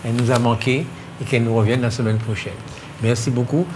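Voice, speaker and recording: Male host, teasing and probing, mid pitch, clear background hiss. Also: steady tone, brisk. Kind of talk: panel discussion.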